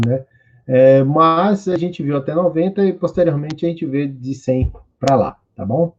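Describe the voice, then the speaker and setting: A man from Brazil teaching an online English class, slow and patient, drilling words for students to repeat. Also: medium pitch, darkish tone, breathy edge. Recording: dull lo-fi audio.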